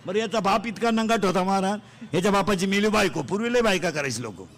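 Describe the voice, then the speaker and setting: A man preaching a comic devotional sermon to a live audience. He quizzes the crowd in quick call-and-response and tells rustic, teasing jokes. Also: sits high, lively intonation, fairly bright tone. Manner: joking, teasing, rustic storytelling. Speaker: kirtan preacher. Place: live religious gathering before an audience.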